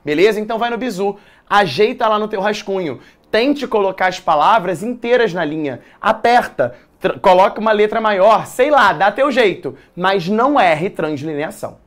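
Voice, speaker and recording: A man teaching an exam-prep writing lesson, lively, slangy and joking as he explains grammar rules. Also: high-pitched, normal speed.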